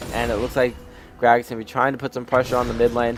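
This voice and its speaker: Music plays in the background. A man is speaking. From Washington state, USA. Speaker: esports shoutcaster. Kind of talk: video game play-by-play commentary. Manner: upbeat, energetic.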